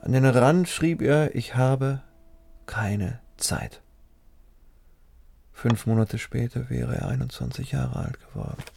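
Creaky-voiced, self-important young physicist. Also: male voice, medium pitch, slow, pauses often, a little mellow, heavily acted. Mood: earnest. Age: 30s. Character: ambitious, self-important physicist in his thirties. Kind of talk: radio drama dialogue.

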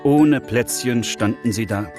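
A man reading a children's bedtime story in a gentle, expressive way. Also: medium pitch, a little slow, soft background music. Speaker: narrator. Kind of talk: scripted storybook narration.

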